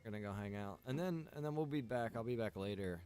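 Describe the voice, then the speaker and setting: A man chatting casually while streaming a survival game, rambling in a relaxed way to his viewers. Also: on the low side, quick pace. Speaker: streamer and server owner. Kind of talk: casual gaming stream chat.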